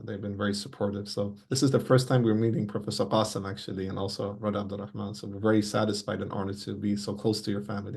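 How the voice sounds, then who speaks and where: Male moderator on a video call: low, gravelly voice, very even delivery, polite and formal. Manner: courteous, many religious blessings. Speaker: host of an online tribute.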